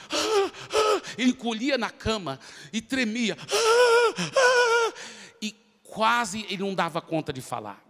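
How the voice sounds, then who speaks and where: A man's voice: sits high, pushed and bright. A man, a preacher telling a testimony with dramatic storytelling, acting out the voices. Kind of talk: testimony sermon. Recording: long hall reverb.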